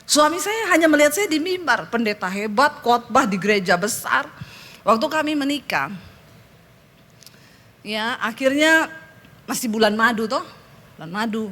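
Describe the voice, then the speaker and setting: A middle-aged woman pastor telling a humorous testimony in a sermon, lively and joking, with acted-out quotes, on a church stage. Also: on the high side, moderate pace, pauses often.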